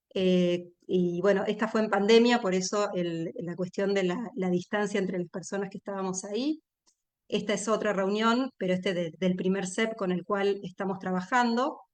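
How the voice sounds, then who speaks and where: Delivery stays at a moderate pace with fairly even intonation. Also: woman, medium pitch for a woman. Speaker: education researcher. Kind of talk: academic presentation. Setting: video call. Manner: hesitant, many fillers.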